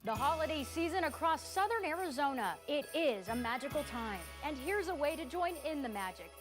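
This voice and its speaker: A woman's voice: high voice, animated, a little fast, music in the background. An American woman presenting as a television news anchor in a polished style.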